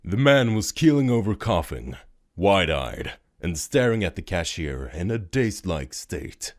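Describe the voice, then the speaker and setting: A man narrating a scripted audio drama story in a dramatic, expressive storytelling manner. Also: deep voice, unhurried. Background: music.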